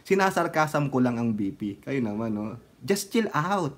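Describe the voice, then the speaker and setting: A man's voice: mid-range voice, sing-song, unhurried. A man with a Filipino accent giving sarcastic, casual commentary in a vlog, laughing often and breaking into bits of song. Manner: laughs often, sings snatches of songs. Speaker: political commentary vlogger.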